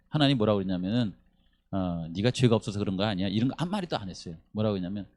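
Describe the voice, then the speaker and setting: A male pastor teaching a church Bible study in a relaxed, conversational way, often chuckling and acting out quoted lines. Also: mid-range voice.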